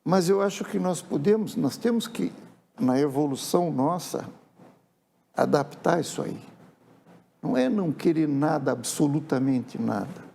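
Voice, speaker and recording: A man's voice: fairly high pitch, animated, measured pace, gravelly, dark tone, a little hiss or hum. A man, a writer telling stories reflectively in a casual TV interview. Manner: reflective, with frequent tag questions. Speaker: writer and guest. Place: TV studio.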